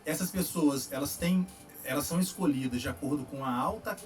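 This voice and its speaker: A man with a Brazilian Portuguese accent hosting a casual chat, explaining vaccine trials in a relaxed, slangy way with frequent tag questions. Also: a little high, a little fast, recorded from a distance, faint music behind. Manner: relaxed, slangy, lots of "tá?" tags. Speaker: host answering viewer questions on vaccines.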